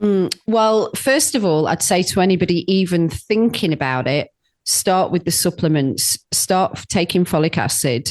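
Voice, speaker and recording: Against a quiet background, a woman with an English accent speaks at a fairly low pitch. Her pace is moderate, with lively intonation and hardly any pauses. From England. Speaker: podcast host. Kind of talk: interview.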